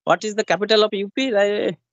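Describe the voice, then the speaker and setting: A man's voice: high voice, dull audio. A man. He stops and restarts often and keeps saying "yes, yes". The sound is dry and close, with no room echo. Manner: repeats "yes, yes" as backchannel, halting questions. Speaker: interviewer, English practice partner. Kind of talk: conversation practice interview.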